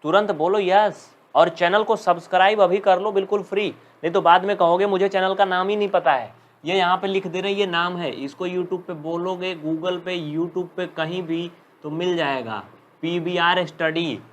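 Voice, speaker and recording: Higher-pitched man teaching math, scolding. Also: fairly even intonation, moderate pace. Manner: scolding, teasing students, reading out commenters' names. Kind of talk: live online class lesson.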